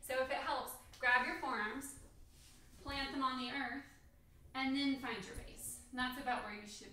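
Over light background noise and with audible room echo, a woman talks in a calm tone at a moderate pace and a high pitch. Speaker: yoga instructor. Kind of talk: guided yoga class. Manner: calm, instructive. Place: home room. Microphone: camera far.

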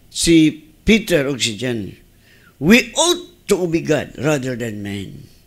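This man talks at a very slow pace. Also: big swings in loudness. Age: 50s. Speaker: pastor. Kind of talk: radio sermon. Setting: radio studio. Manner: animated.

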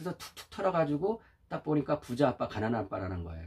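A man with a fairly high pitch talks at a fairly quick pace, his voice showing vocal fry. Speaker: YouTuber reviewing books. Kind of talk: casual monologue.

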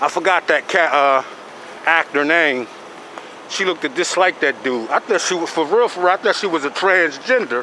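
A man at high pitch and moderate pace, with ordinary pitch variation, a dry sound with no echo, and light background noise. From Chester, Pennsylvania, US. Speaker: YouTube commentator. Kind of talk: angry profanity-laced rant at a commenter, then political street commentary. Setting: outdoors in an alley. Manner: heated, cursing, stammering repetitions when fired up; confrontational, mocking street talk with rhetorical questions. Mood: angry, ranting. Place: street. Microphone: phone near.

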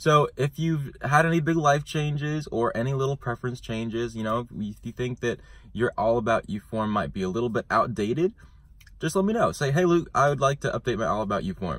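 A man at medium pitch talks at a fairly quick pace, the sound dry with no echo against a quiet background. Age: 20s. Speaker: client concierge for a coaching program. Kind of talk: direct-to-camera update video. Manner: casual, energetic. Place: car. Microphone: phone near.

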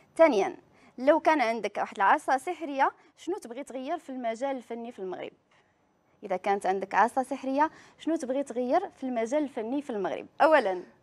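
Her pitch high and her intonation lively, a woman talks at a fairly quick pace with big swings in loudness. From Morocco. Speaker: TV talk show host. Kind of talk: interview. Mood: friendly, smiling. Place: studio. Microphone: lapel.

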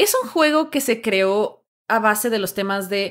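A woman with a fairly high pitch speaks very slowly, her intonation lively. The recording is very clean, with a silent background. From Mexico City. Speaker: game producer and streamer. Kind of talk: casual chat.

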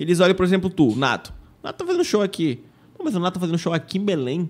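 This man speaks with a high pitch. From Pará, Brazil (Abaetetuba); Pará, Brazil. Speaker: podcast host. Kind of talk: casual chat. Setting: studio. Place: studio. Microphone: studio mic.

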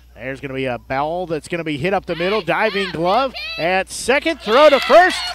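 The speaker has a relaxed tone and a fairly quick pace, with very wide pitch swings. Noticeable background noise runs under the voice. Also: man, high pitch for a man. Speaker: play-by-play baseball announcer. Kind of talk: live baseball play-by-play commentary mixed with in-booth interview. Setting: broadcast booth at ballpark. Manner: steady, relaxed pitch-by-pitch calling with frequent filler 'uh's; conversational, friendly interviewer between pitches.

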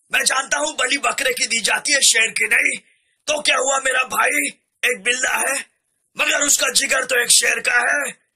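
A man puts on a cartoonish character voice and speaks at a fairly slow pace. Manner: loud, threatening.

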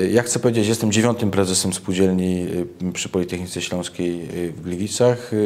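A man speaks in an unremarkable speaking voice at a fairly low pitch. His pitch variation is ordinary. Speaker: housing cooperative chairman. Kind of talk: interview. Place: studio. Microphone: lapel.

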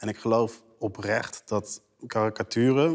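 The setting is quiet. This man's intonation is fairly even. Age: 30s. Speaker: screenwriter turned commissioning editor. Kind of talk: casual chat. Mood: earnest, reflective. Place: studio.

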